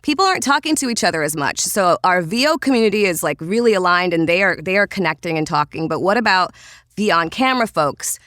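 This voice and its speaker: Dry, low-voiced Trinidadian woman. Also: no echo. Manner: animated, quick, with frequent restarts and fillers. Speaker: voiceover artist and podcast guest. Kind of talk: casual interview talk.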